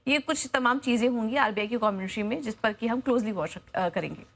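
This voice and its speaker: A woman's voice: fairly high pitch, fairly quick, vocal fry. A young adult woman giving a live business news report, with frequent filler sounds and restarts.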